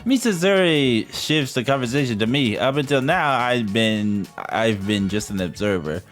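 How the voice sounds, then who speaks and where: A man's voice: mid-range voice, lively intonation, moderate pace. A man reading a visual novel aloud as a streamer, with casual, irreverent asides. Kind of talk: casual let's-play translation with commentary. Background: game music.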